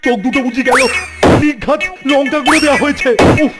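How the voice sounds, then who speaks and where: Blustering cartoon hostel superintendent , acted out over loud music. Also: high-pitched, fairly even intonation, quick pace, close to an everyday voice. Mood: wailing. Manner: pompous, exaggerated. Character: gullible, blustering male hostel superintendent, middle-aged. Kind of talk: Bengali children's cartoon dubbing.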